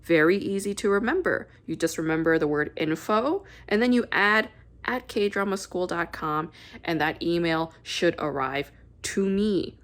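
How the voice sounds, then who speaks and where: A woman's voice: on the low side, expressive, normal speed. A woman podcast host talking casually to her listeners, chatty and repeating herself for emphasis.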